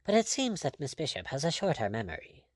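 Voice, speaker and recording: A man voicing a cool, courteous, mocking pirate captain, quietly firm and sardonic, in an audiobook adventure story. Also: medium pitch, wildly swooping pitch, fairly quick, no room sound, studio quality, voice pushed up. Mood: wry, weary.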